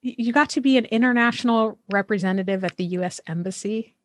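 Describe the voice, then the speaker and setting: A woman's voice: on the high side, fast, no room sound, studio quality. A woman hosting a podcast, asking questions in a casual, conversational way. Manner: casual, uses "like" fillers. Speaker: podcast host. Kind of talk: casual interview.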